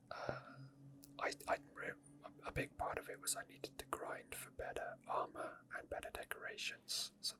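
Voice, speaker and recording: A gaming streamer speaks entirely in a soft, breathy whisper. The delivery is ASMR gameplay commentary, walking the listener through each action as it is done. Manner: explains each step as it is done. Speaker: video game streamer.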